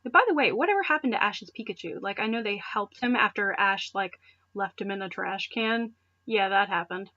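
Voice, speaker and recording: A woman who reads amateur fan fiction for videos performs it with exaggerated mock drama, stopping to toss in sarcastic, conversational asides. Her mid-range voice is brisk and sharp, and the sound is lo-fi.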